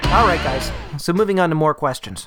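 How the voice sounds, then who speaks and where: A man with lively intonation at a moderate pace, music in the background. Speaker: podcast host interviewer. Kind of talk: casual comedic interview.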